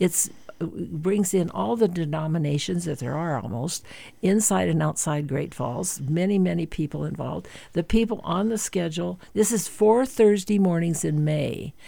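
With an American accent, a woman talks at a moderate pace in a fairly low pitch, her tone dark and mellow with vocal fry, on a very clean recording with a silent background. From Montana, Helena. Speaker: community event organizer. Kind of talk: radio interview. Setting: studio.

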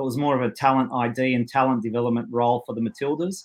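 This man talks very fast at a medium pitch. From Sydney, Australia. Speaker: football coach. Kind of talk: interview.

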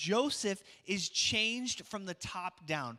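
Projecting a raised voice, a man with an American accent speaks at a high pitch with a bright, sharp tone. His intonation is lively, and the recording is very clean with a silent background. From Minnesota, US Midwest. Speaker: pastor. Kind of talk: sermon. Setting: church.

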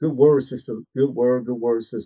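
A warm, dark, mellow tone at a moderate pace. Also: man. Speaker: preacher and interviewer. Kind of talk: interview with religious testimony. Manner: warm, affirming.

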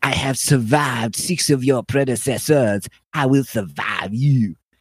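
A man's put-on character voice in a French accent, medium in pitch, at a moderate pace. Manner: bad imitation accent.

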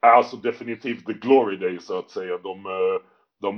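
An ordinary speaking voice, moderately paced and showing ordinary pitch variation. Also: man. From Skåne, Sweden (Lund). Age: 30s. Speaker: graffiti artist. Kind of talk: casual interview.

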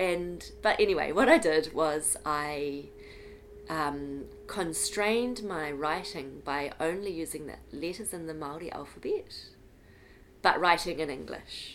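A woman with a New Zealand accent and fairly low pitch, at a fairly slow pace with long, frequent pauses and big swings in loudness. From New Zealand, Waikato region. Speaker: writer. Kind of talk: conversation about writing.

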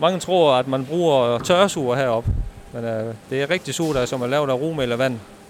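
Over noticeable background noise, a man speaks at a medium pitch and a moderate pace with ordinary pitch variation. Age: 50s. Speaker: baker. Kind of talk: guided tour explanation.

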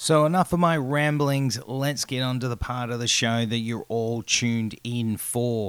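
In a very clean recording with a silent background, a man uses a normal speaking voice at medium pitch, speaking at a fairly slow pace with fairly even intonation. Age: 30s. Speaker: podcast host. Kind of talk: casual interview.

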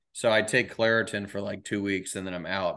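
Over a quiet background, a man with a Mid-Atlantic American accent speaks at a moderate pace in a bright, sharp tone, his fairly low pitch held to a fairly even intonation. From Washington, D.C. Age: 40s. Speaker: tennis coach and content creator. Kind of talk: casual chat.

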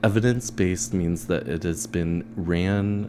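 With an American accent, the voice has a dark, mellow tone and ordinary pitch variation. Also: man. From Indiana. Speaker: podcast host. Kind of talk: casual interview chat.

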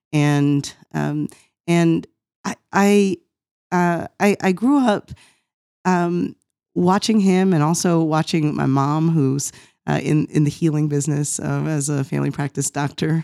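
A woman's very deep, low voice with an American accent, dark and mellow in tone, at a fairly slow pace with long, frequent pauses and ordinary pitch variation, in a dry, close sound with no echo on a very clean recording over a silent background. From US Northeast, Philadelphia area. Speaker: theology professor and pastor. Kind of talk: academic conversation.

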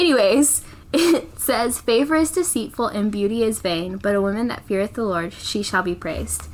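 Noticeable background noise surrounds a woman speaking at a moderate pace. Her pitch is fairly high and her intonation lively. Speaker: Bible study podcast co-host. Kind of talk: casual Bible study discussion; scripture reading.

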